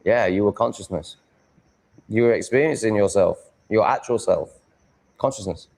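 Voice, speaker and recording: A man's voice: fairly low pitch, normal speed, gravelly, darkish tone. A man with a Yorkshire accent chatting casually as a livestream host, rambling in a blunt, crude, sweary way. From Yorkshire, England.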